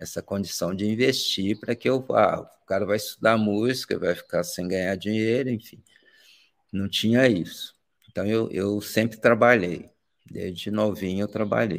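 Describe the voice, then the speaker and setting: With a normal speaking voice, a man talks at a moderate pace and fairly low pitch with ordinary pitch variation in a very clean recording with a silent background. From Minas Gerais, Brazil. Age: 60s. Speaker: photographer and video artist. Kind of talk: interview.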